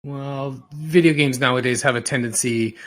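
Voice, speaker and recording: A man's voice: mid-range voice, fairly even intonation, moderate pace, fairly bright tone. A man chatting casually on a podcast, emphatic and exasperated, repeating himself to drive points home. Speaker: podcast host. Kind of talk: casual rambling podcast chat. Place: recorded podcast, audio only.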